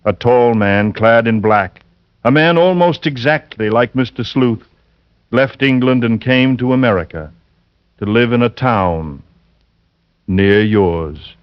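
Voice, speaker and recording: A scripture-quoting madman who kills, played by a man, rants in a biblical cadence or turns hushed and insinuating. He speaks slowly, and his voice sits in a middle register. Heard on a dull old radio broadcast with faint music behind him. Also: mid-range voice, natural voice. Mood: sinister. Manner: hushed, insinuating when calm. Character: fanatical, scripture-quoting male killer lodger. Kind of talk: 1940s radio acting.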